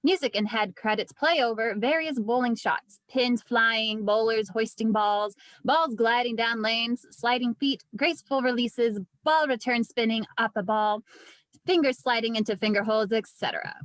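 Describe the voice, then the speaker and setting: High-voiced woman reading stage directions. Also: moderate pace, fairly bright tone, dry recording. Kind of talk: scripted narration, table read. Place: indoors, remote online read.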